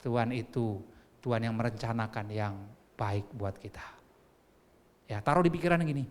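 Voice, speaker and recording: An Indonesian-accented male pastor preaching a sermon. He asks the congregation questions, sometimes sings a line, and drops to a soft, hushed voice for tender lines. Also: mid-range voice, moderate pace. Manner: swings between loud exhortation and soft, hushed fatherly lines, sometimes sings phrases.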